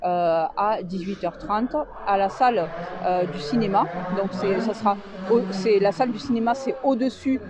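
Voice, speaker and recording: A woman organizing a local public meeting, speaking hesitantly in an interview with many filler pauses. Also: mid-range voice, very noisy. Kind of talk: radio interview.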